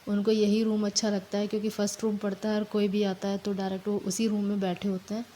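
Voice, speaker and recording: Young woman, hoarse and run-down, flat dark delivery, faint room hiss, homey vlog talk. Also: medium pitch. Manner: tired, halting, apologizing for her voice. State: hoarse from a sore throat and fever. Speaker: family vlogger. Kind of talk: casual vlog narration while doing housework.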